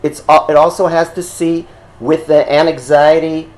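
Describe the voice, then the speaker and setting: A man's voice: a little high, little pitch movement. A man from Israel, a native Hebrew speaker, teaching a class in English with an Israeli accent. He explains at length and often stops on fillers and checks with his listeners. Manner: halting, with frequent fillers and checks for understanding. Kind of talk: explanatory lecture.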